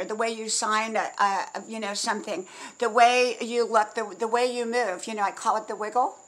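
A woman's voice: on the high side, a bit bright, poor audio. Folksy older woman, motivational talk. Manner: folksy, repetitive, emphatic lists. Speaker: host.

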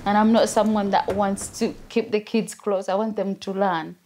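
A woman's voice: medium pitch, steady tone, normal speed, darkish tone. A woman from Uganda talks earnestly about her children, with a slight hiss of noise in the background. She often slips in "you know, like" between her points. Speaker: parent. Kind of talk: documentary interview.

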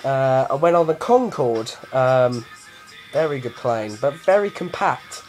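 Young male vlogger, improvised and rambling, very lively pitch. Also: unhurried, soft background music, rough recording. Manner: rambling, animated, with many ums and laughs. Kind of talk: improvised casual vlog. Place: bedroom.

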